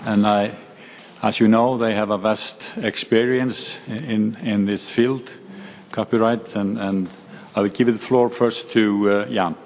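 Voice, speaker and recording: Slow, low-voiced man chairing a session. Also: steady tone, darkish tone, in a large hall, a little hiss or hum. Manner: hesitant, many fillers. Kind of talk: introducing speakers at a symposium.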